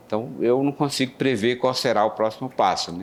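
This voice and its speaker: Fairly quick delivery in a normal speaking voice, with ordinary pitch variation. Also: man. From Maranhão, Brazil (rural Tuntum). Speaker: judge. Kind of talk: oral history interview.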